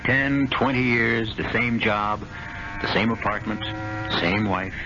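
A man's voice: lowish voice, takes it slowly, heavy background noise. A man hosting and narrating a radio mystery show in a theatrical, ominous, rhetorical way. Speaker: radio drama host. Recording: dull lo-fi vintage radio recording with loud music.

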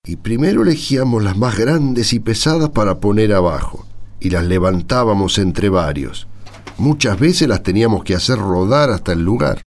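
Low-voiced old Argentine grandfather, acted by a man. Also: lively intonation, normal speed. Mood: nostalgic. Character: patient old grandfather reminiscing about his rural homeland. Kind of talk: radio drama dialogue.

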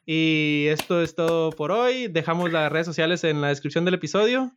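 Joking man, high voice. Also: lively intonation, normal speed, dull audio, a little hiss or hum. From Latin America. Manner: joking, easygoing. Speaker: podcast host. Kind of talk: casual podcast chat.

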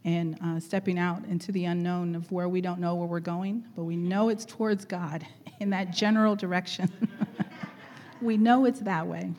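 A middle-aged woman leading a church gathering, chatty and laughing often, her voice going hoarse. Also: fairly low pitch, fairly even intonation, moderate pace, a little mellow, slight background noise. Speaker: church leader. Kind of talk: warm casual church greeting and exhortation.

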